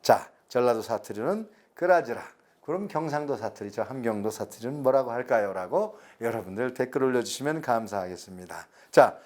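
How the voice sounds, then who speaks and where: A middle-aged man, giving a recorded lecture slowly and deliberately, stretching words and pausing. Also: mid-range voice, darkish tone. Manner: slow, deliberate explanation with drawn-out words and pauses.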